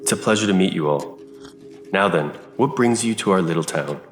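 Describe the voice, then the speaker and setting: An actor playing an old, lonely country reverend in an audio drama, solemn and hospitable, with measured, formal phrasing. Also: male voice, sits low, expressive. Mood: solemn welcome. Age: older. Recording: roomy echo under music.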